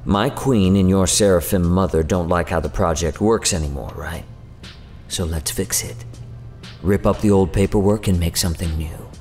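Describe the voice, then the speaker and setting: Casting: male actor as roguish otherworldly schemer, very low pitch, sardonic and slangy, audio drama with music underneath. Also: normal speed, a little mellow, natural voice. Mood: brisk persuasion. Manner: slangy, sardonic, casually profane. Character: irreverent, roguish male otherworldly emissary, whiskey-drinking schemer.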